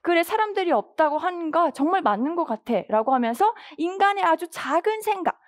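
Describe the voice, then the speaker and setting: A woman's voice: extremely high pitch, animated, brisk, no echo, studio quality. A woman preaching a sermon to a church youth group, asking questions and acting out pleading prayers. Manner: asks the listeners questions and acts out pleading prayers. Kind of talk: sermon to teens.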